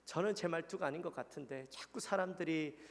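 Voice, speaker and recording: A man's voice: fairly high pitch, a little fast. A male pastor with a Gyeongsang Korean accent, giving an earnest, conversational sermon and putting questions to the congregation. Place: church sanctuary. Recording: long church-hall reverb.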